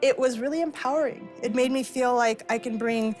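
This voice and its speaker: A middle-aged woman with an American accent, explaining a dish and telling personal stories in an expressive way as a guest cook. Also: a little high, a little fast. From born in Iran, raised in Arizona, US. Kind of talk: cooking demonstration with personal storytelling. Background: music and frying sizzle.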